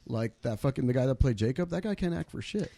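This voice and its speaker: A man's voice: medium pitch, quick pace, creaky. A man co-hosting a podcast in casual chat, joking and swearing freely. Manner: profane, lively, joking. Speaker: podcast co-host.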